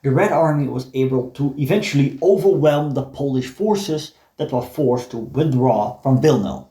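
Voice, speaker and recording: A man's voice: on the high side, darkish tone. Male history narrator, echoey room. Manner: measured storytelling, dramatic reading of quotes. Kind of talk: scripted documentary narration.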